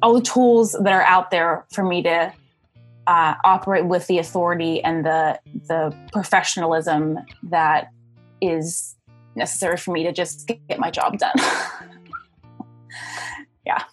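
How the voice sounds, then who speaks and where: A woman's voice: lowish voice, steady tone, measured pace, long pauses, faint music behind. A young woman talking casually as an interviewee, in a hesitant, circling conversational way. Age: young adult. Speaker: interviewee, ordained minister.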